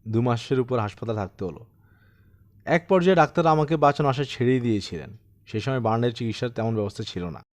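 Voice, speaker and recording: A man's voice: medium pitch, expressive, quick pace, lightly acted. Audiobook role: troubled man of sixty-seven, self-deprecating yet insistent, telling his eerie tale, played by a male reader. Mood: rueful, matter-of-fact. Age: 60s. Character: troubled 67-year-old man recounting his eerie haunting. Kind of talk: dramatised audiobook storytelling.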